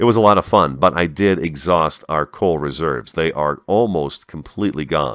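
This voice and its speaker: A man with a very deep, low pitch and vocal fry speaks with ordinary pitch variation in a dry, close sound with no echo. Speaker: gaming video creator. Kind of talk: let's play commentary. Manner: hesitant fillers.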